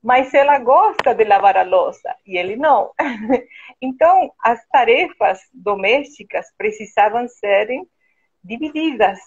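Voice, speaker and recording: A woman with an Argentine Spanish accent, a guest architect speaking slowly and hesitantly with many fillers in a casual conversation. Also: fairly high pitch, expressive, darkish tone, breathy edge, highs cut off. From Argentina (Buenos Aires), born in Brazil. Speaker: guest, architect and interior designer.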